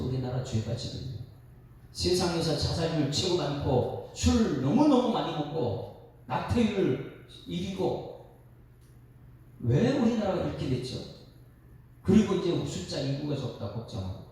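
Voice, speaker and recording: A man's voice: fairly high pitch, darkish tone. A male pastor giving an evening sermon in a church, emphatic and repetitive, full of rhetorical questions. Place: church sanctuary. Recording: echoey sanctuary from far off.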